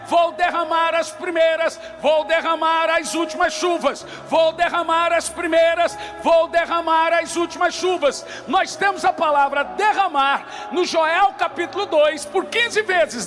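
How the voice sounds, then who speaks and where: A man's voice: very high voice, unhurried, few pauses, fairly bright tone, soft background music. A Brazilian man preaching an impassioned sermon as a pastor, emphatic and declamatory, often raising his voice and repeating phrases.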